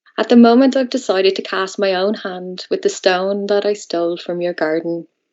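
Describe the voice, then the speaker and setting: A woman with an Irish accent speaks at a moderate pace and medium pitch. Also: ordinary pitch variation. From Ireland. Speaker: artist. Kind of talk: reading aloud. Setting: online symposium.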